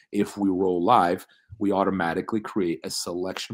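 Against a quiet background, a man speaks at a moderate pace in a very deep, low pitch. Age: 40s. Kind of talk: casual interview. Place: home room.

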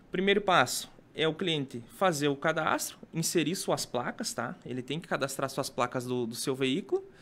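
At a fairly quick pace, a man talks in a bright, sharp tone. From Rio Grande do Sul, Carazinho; Rio Grande do Sul, Brazil. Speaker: parking company supervisor; guest. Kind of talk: radio interview. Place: studio. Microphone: studio mic.

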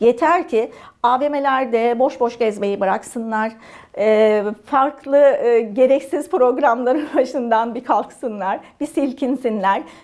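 The woman's high voice moves at a very slow pace, showing ordinary pitch variation. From Turkey, Isparta. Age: 50s. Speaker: artisan painter and brand founder. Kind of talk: interview.

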